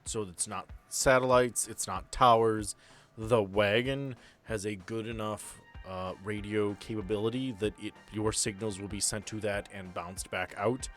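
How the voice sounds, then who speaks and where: A man's voice: fairly low pitch, fairly even intonation, a little slow, a bit bright, faint music behind. A man speaking informally as game master, narrating a tabletop horror game. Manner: informal, profane.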